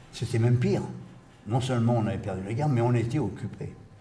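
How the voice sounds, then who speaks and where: A man speaks at medium pitch with a dark, mellow tone and a somewhat breathy quality. Room echo is audible. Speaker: former resistance fighter and deportee. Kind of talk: testimony. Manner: halting, frequent repetitions.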